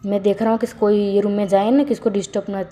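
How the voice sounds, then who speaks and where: A woman's voice: mid-range voice, flat delivery, quick pace, dark tone, lightly acted. A woman voicing a nervous young male student who stammers and pleads in a storybook reading. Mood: pleading.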